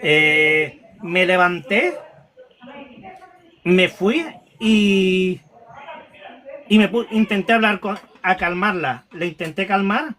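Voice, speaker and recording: A man telling a painful personal story, halting with restarts and repetitions, audibly moved and close to tears. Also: high voice, sharp tone. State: emotional, near tears. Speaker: guest recounting a paranormal experience.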